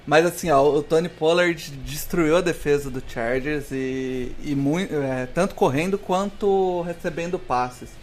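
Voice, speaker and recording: A man's voice: on the high side, a little slow, hardly any pauses, slight background noise. A man with a Brazilian Portuguese accent chatting casually about sports as a podcast panelist. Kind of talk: casual chat about American football.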